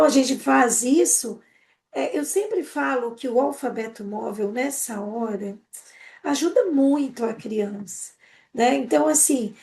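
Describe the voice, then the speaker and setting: Brazilian woman, teacher trainer on a live stream, brisk and animated, slightly high. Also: creaky. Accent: Brazilian Portuguese. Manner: quick, animated explaining with frequent "né?" tags.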